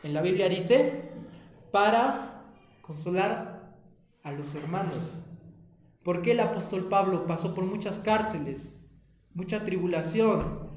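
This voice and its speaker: Man, Peruvian Spanish accent, Sunday school teacher, questioning children, slightly high voice, echoey room. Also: darkish tone. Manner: asks the children frequent questions. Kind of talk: children's Bible lesson.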